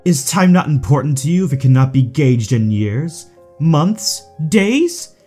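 A man's voice: fairly high pitch, sing-song, unhurried, warm tone, breathy edge, soft background music, full character voice. A man playing a suave, theatrical villain in an audio drama, taunting his rival with mock affection. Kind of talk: fan audio drama acting.

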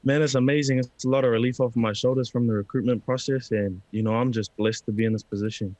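A man's voice: mid-range voice, fairly even intonation, fast, darkish tone, dry recording, poor audio. A young man from New Zealand on a video call, answering politely and earnestly, calling the host sir. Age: young adult. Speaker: interviewee. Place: indoor room.

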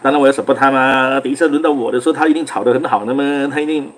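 A man's voice: medium pitch, steady tone, rapid-fire, heavy background noise. A man with a Singaporean accent, hosting a livestream and telling a story in casual chat. He acts out quarrels in raised voices and mixes in English words. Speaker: livestream host.

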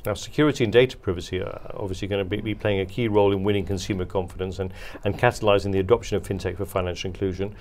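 A man in his forties with a low voice puts questions to a guest on a dark studio set. He frames each question haltingly, doubling back on words before he gets to the point. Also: fairly even intonation. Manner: halting, repeats words while framing questions. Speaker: interviewer. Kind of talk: interview questions.

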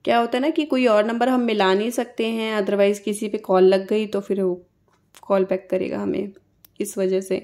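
A woman's voice: mid-range voice, level tone, normal speed, a little mellow. A woman with an Indian accent hosting a casual step-by-step phone tutorial in a conversational, instructional way. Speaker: tutorial host.

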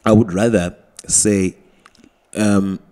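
A young man co-hosting a podcast in a small studio, talking reflectively with halting restarts. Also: lowish voice, steady tone, warm tone. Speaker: podcast co-host. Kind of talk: casual panel discussion. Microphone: studio mic with headphones.

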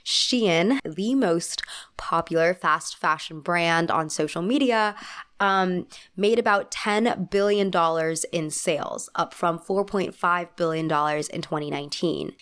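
A young woman in her twenties speaks in a lowish, congested voice, a little nasal from a cold. She delivers a scripted video essay with a wry, opinionated edge and emphatic asides. She is close on a handheld mic in a small room. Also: unhurried, a bit bright, clean tone. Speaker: fashion commentary host. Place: small indoor room with lamp and plant. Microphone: handheld mic held close.

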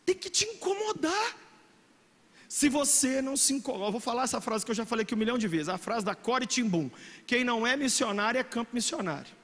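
High, animated Brazilian pastor in a reverberant hall. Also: male voice, fast. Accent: Brazilian Portuguese, Minas Gerais. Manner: animated, shouting, joking storyteller. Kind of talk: lively youth sermon. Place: large church hall.

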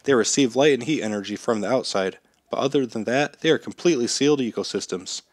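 Guy in his 30s doing a how-to voiceover, a bit under the weather, steady and plain, mid pitch. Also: fast, no room sound, clean studio sound. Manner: steady, plain instructional delivery. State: slightly sick. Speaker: how-to channel host. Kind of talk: scripted how-to voice-over.

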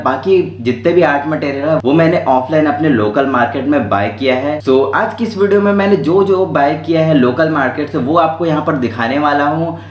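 In a small indoor room full of art supplies, a young man in his twenties from Raipur, Chhattisgarh, in central India, hosts a vlog for his art channel about his new purchases. His voice sits a little high and the room is echoey. He's chatty and informal, slipping English words into his Hindi.

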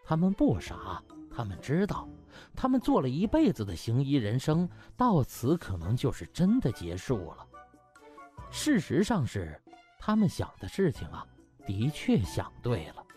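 Highly animated male audiobook narrator. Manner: colloquial, dramatic storyteller. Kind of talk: lively storytelling narration. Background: faint music.

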